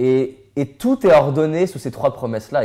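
A man with a dark, mellow tone and lively intonation is heard on a very clean recording with a silent background. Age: 30s. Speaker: motivational speaker and entrepreneur. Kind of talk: interview.

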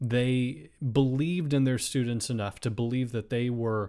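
Speaking at a moderate pace and medium pitch, a man uses fairly even intonation and a dark, mellow tone. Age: 20s. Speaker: political podcast host. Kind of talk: solo podcast commentary. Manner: halting, many fillers and repetitions.

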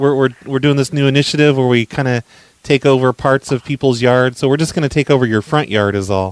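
A man's plain, everyday voice at a fairly quick pace, medium in pitch, with ordinary pitch variation and a dry, close sound with no echo. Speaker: podcast host. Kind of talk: casual chat. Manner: casual.

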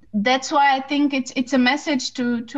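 A woman speaks with a Romanian accent. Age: 40s. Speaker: guest sharing bipolar disorder story, mental health advocate. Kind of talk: casual interview.

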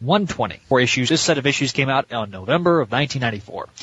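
A man's normal speaking voice at medium pitch, with lively intonation and a fairly quick pace. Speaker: podcast host. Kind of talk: casual chat.

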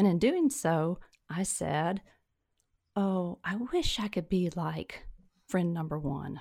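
In a very clean recording with a silent background, a woman with a medium pitch and a dark, mellow tone speaks with lively intonation, somewhat breathy. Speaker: author. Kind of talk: interview.

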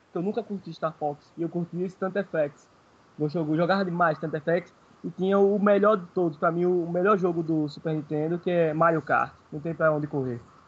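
Keeping his intonation fairly even, a man with a high pitch speaks at a moderate pace. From Sergipe, Brazil. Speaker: retro gaming community member. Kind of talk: casual chat.

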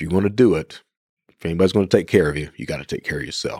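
A man with an Appalachian accent speaks in a very deep, low pitch. His pitch varies in an ordinary way. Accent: Appalachian Kentucky. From US South, Eastern Kentucky. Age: 50s. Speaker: former cybercriminal. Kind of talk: interview, storytelling. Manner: animated.

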